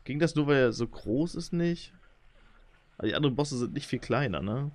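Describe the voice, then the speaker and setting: A young man doing live, excitable commentary on his own gameplay, talking straight to his viewers. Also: brisk. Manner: excitable, talks to viewers, jumps into high squeals when excited. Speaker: let's play gamer.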